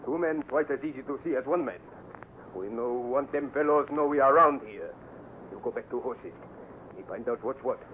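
A man acting as a cautious cowboy-serial scout with a mid-pitched voice. He talks in measured, stilted broken English, terse and steady. The old radio recording is narrow and clearly noisy. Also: close to an everyday voice. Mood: firm. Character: steady, cautious Native scout sidekick to boy hero.

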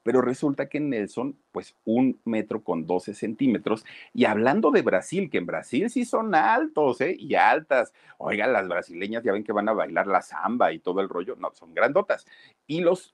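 A middle-aged man with a Mexican accent telling a story in a chatty, animated way, talking straight to his listeners. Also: mid-range voice, normal speed. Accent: Mexican Spanish. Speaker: storyteller host. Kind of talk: casual spoken storytelling.

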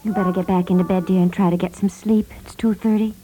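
An actress playing a sensible, gently scolding wife in a 1950s radio comedy, composed and motherly in manner. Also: medium pitch, steady tone, quick pace, over loud music, lightly acted, poor audio. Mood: soothing.

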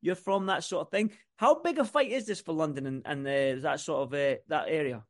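A man's voice: fairly high pitch, brisk. A man from the UK co-hosting a boxing podcast, talking in a rambling, repetitive, casual way. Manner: rambling and repetitive, stacking up lists and restarts. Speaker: podcast co-host.

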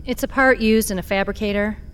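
A woman acting a wry, streetwise black-market trader who patches up cyborgs in a sci-fi audio drama, sardonic and expressive. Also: mid-range voice, fairly quick, a little hiss or hum, close to an everyday voice. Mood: matter-of-fact, reassuring.

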